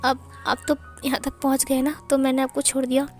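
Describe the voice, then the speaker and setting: A bashful young college boy who trips over his words and keeps correcting himself, as a woman reads him out. He comes across as flustered and eager, with a high voice. It is read as an amateur fan-fiction story. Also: monotone, fairly quick, darkish tone, faint music behind, lightly acted. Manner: stammering, flustered. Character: shy flustered young male college student.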